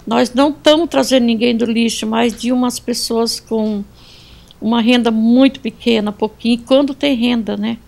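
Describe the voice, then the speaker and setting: A woman's voice: on the high side, fairly even intonation, moderate pace, creaky, a little mellow. A woman who owns an atelier, giving an earnest speech of thanks indoors and sprinkling it with religious phrases. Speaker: atelier owner, guest.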